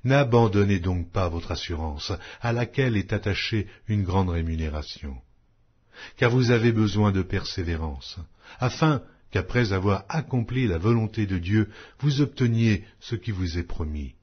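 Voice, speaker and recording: A man reading scripture aloud as a formal audiobook narration, in a solemn, measured, declamatory way. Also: fairly low pitch, lively intonation, breathy edge, lo-fi sound.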